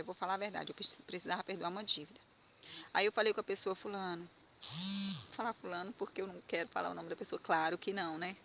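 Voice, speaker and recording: A woman's voice: mid-range voice, pushed and bright, slight background noise. A woman giving an earnest, emotional Christian testimony to viewers, with frequent fillers and repetitions. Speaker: Christian speaker. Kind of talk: personal testimony sermon to viewers.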